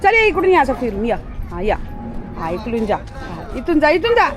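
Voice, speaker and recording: A woman with a very high voice coaxes and scolds her pet dogs in easy, chatty talk. She is recorded outdoors with people talking nearby. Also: very animated, moderate pace, crowd noise. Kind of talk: casual talk to pets and neighbors.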